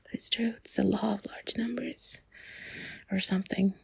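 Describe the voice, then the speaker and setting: A woman whispering softly and intimately in a breathy, husky voice, close to the mic, confiding in a rambling ASMR monologue. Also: medium pitch, fairly even intonation, normal speed, no echo. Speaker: intimate audio host.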